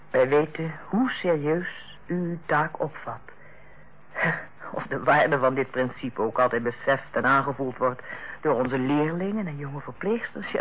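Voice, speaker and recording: An actress playing a tactful, composed middle-aged hospital director in a Dutch radio play, speaking in a measured, formal way. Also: female voice, on the low side, a little hiss or hum, close to an everyday voice. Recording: tinny, narrow-band old radio recording.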